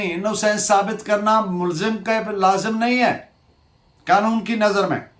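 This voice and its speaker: A woman with a Pakistani accent giving a didactic law lecture, asking and answering her own questions and switching into English terms. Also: mid-range voice. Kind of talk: law lecture, dictating case citations. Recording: echoey room sound.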